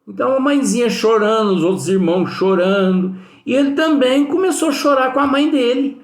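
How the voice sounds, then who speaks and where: With a very high voice and lively intonation, a man moves briskly through a chatty spiritist study lesson, sharing anecdotes and frequently tacking questions onto his sentences for the listeners. Faint music plays in the echoey room.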